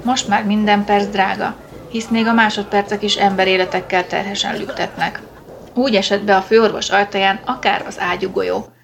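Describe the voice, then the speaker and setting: A woman narrating a science fiction story in a steady, measured audiobook reading. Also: mid-range voice, creaky.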